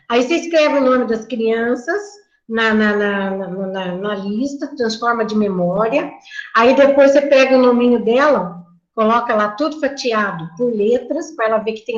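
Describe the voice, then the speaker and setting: A woman teacher explaining classroom methods to other teachers, acting out dialogue with children. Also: a little high. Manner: lively, acts out classroom dialogue. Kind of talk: teacher training talk. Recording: echoey lo-fi room.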